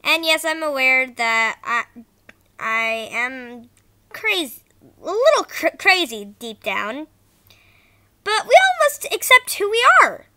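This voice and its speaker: A woman voicing an upbeat, quirky cartoon cat boy in a squeaky voice, with stumbling, bad amateur acting. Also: very animated, slow pace, sharp tone, exaggerated voice. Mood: perky, theatrical.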